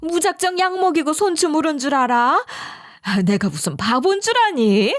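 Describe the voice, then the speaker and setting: A woman's voice: sits high, very animated, normal speed, dry recording, clean studio sound, voice pushed up. A woman voicing a pushy, meddling older mother-in-law who nags and scolds as she tells the story. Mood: huffy. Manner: nagging, scolding.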